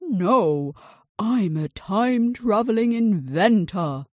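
A woman voicing an excitable Victorian male inventor who travels through time, speaking in loud, dramatic exclamations. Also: mid-range voice, slow, dry recording, clean studio sound. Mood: earnest.

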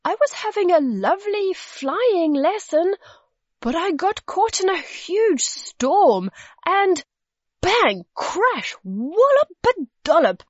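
A woman's voice: high-pitched, dry recording, voice pushed up, heavily acted. A woman voicing a friendly, flustered young male dragon in a children's storybook, babbling and hesitant, with slightly dull sound.

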